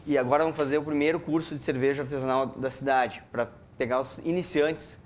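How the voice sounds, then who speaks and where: A man, describing a brewers' association in a measured, hesitant way. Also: medium pitch, steady tone, a little hiss or hum. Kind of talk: casual chat.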